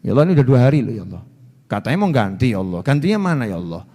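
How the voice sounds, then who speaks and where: A man's voice: mid-range voice, sing-song, rapid-fire, mellow, pitched below the performer's own voice. A man voicing an impatient man who keeps nagging for his reward, with a Javanese accent, in a reverberant hall. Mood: whining. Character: whiny impatient man nagging God for payback.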